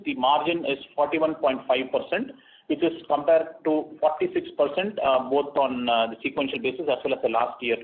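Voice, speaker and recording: Man on a tinny conference call line. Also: fairly high pitch. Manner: measured, with frequent "uh" fillers and restarts. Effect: heard over a conference call line. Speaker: company executive presenting quarterly results. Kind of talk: earnings conference call presentation.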